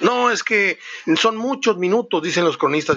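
Noticeable background noise fills the recording. A man talks through it at a moderate pace. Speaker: football radio host. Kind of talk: solo sports commentary monologue. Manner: halting, stammering.

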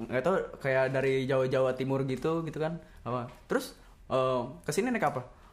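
A man talks in a fairly high pitch and keeps to a moderate pace. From Cianjur, West Java. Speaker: band singer. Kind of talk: casual chat. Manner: halting.

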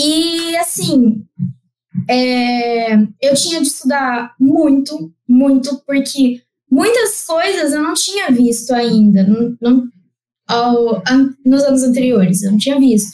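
At a very slow pace, a woman speaks in a high voice with a dark, mellow tone and lively intonation. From Portugal, then Brazil from about age 12. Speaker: medical school entrant, top-ranked exam candidate. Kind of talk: interview.

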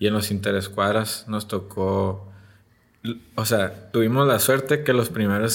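Speaking in a Mexican accent, the voice moves at a fairly slow pace with fairly even intonation. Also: man. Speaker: urban music artist. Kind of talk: casual chat.

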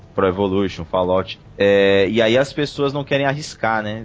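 With a normal speaking voice, a man talks at a moderate pace and a fairly low pitch. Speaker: game reviewer. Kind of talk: casual chat.

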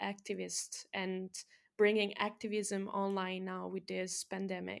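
A medium-pitched woman with an Italian accent, in a very clean recording against a silent background. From Italy. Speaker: podcast host. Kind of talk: interview.

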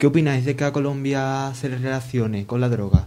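A man speaks at a medium pitch in a dark, mellow tone. His intonation is monotone and flat. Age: young. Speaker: community radio host. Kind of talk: interview. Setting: studio.

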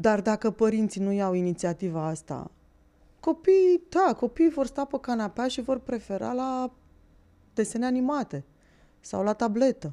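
A woman's fairly high, dark, mellow voice with very wide pitch swings at a fairly slow pace. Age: 40s. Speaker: fitness instructor. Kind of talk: casual chat.

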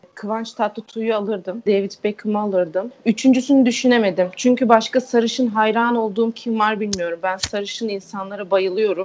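Over noticeable background noise, a woman with a fairly high pitch speaks at a moderate pace with hardly any pauses. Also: fairly even intonation. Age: 20s. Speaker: student, listener guest. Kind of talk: casual chat.

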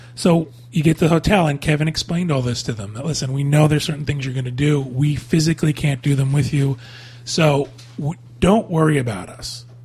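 Noticeable background noise accompanies a man who speaks fairly quickly at a fairly high pitch. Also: ordinary pitch variation. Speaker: traveler sharing trip stories. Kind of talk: casual chat.

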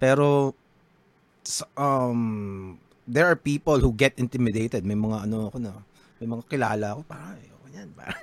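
Heard with a dry, close sound with no echo, a man with a Filipino accent speaks at medium pitch, leaving long, frequent pauses. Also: ordinary pitch variation, moderate pace. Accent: Filipino English, Taglish. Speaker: podcast host and illustrator. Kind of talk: casual chat, Taglish. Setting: studio.

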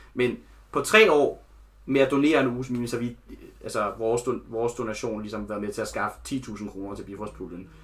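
With an unremarkable speaking voice at medium pitch, a man talks at a moderate pace with ordinary pitch variation and big swings in loudness. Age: 20s. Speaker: larp community admin. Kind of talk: podcast interview.

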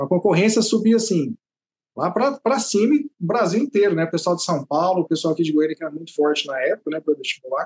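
This man speaks at a fairly quick pace with lively intonation. The sound is dry and close, with no echo. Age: 40s. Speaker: businessman. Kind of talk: testimony.

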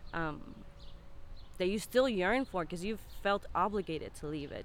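A woman is speaking. She has a Spanish accent. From Honduras. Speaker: youth minister. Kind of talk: casual interview.

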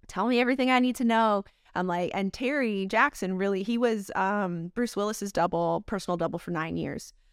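A woman with an Ontario accent talks at a fairly quick pace with hardly any pauses, recorded very cleanly against a silent background. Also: medium pitch for a woman, ordinary pitch variation. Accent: Canadian (Ontario). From Canada, London, Ontario. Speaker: motocross rider and stuntwoman. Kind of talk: casual interview.

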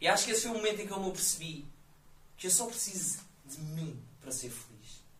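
Speaking fairly quickly in a high voice, a man uses lively intonation and big swings in loudness, with audible room echo and noticeable background noise. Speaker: professional wrestler. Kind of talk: in-character interview.

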